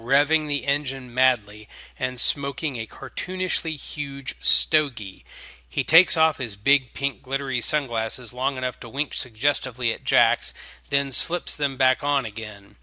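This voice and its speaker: Very bright, forceful male narrator. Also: medium pitch, a little slow, no room sound. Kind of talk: scripted story narration.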